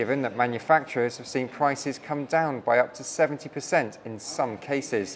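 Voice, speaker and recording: A fairly quick delivery with hardly any pauses, over noticeable background noise. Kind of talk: news report narration.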